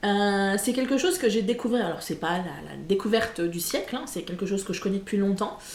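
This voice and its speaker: A woman at medium pitch, with audible room echo. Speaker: crafting youtuber. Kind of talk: casual vlog chat. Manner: hesitant, many fillers.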